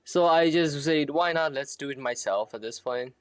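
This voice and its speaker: A man's voice: on the high side, moderate pace, clear, resonant tone, dry recording. A man chatting casually and a little hesitantly to viewers while live streaming a game.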